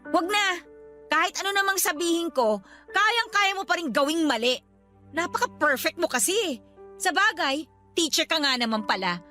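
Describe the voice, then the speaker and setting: A wounded younger sister who fights back with sarcasm, her voice very high and bright. Faint music plays beneath her. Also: lively intonation, normal speed, full character voice. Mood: sarcastic. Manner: bitter, cutting. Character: hurt younger sister standing up to her elder. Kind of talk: Tagalog radio drama acting.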